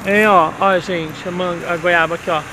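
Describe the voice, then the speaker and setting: Holding his phone camera as he strolls a city street, this man from Brazil keeps up a chatty walking vlog, often addressing his audience as "gente." He speaks at an ordinary pace in a high-sitting, fairly level voice, and traffic and outdoor noise fill the background of the noisy recording.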